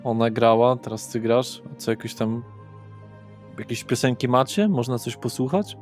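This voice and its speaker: A man playing a weary, affable middle-aged father who works as a psychologist, chatty and halting, in a tabletop game. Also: medium pitch, darkish tone, soft background music, lightly acted. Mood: friendly, rambling.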